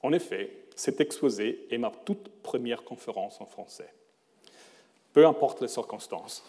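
A middle-aged man who is not a native speaker of the language, giving a formal prepared lecture with a careful, measured delivery and occasional self-corrections. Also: medium pitch, dark tone. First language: not French. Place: lecture hall. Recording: long reverb of a lecture hall.

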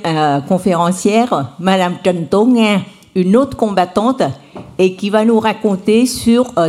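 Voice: mid-range voice, darkish tone. A conference moderator introducing the next speaker, hesitant and full of fillers.

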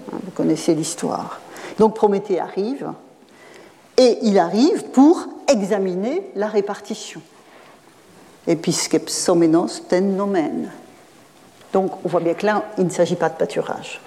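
A woman's voice: medium pitch, moderate pace, dark tone, big-room sound. A woman professor giving an academic lecture, explaining at length with fillers and self-corrections. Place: lecture hall.

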